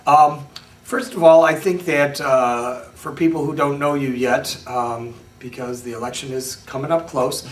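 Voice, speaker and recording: A man hosts a local interview show, restarting his questions and repeating words as he goes. He sounds like he is some distance from the mic in a roomy space. A steady hiss of noise runs under his voice. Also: medium pitch. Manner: halting, repeats words while asking long questions. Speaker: talk show host. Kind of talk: interviewing a political candidate.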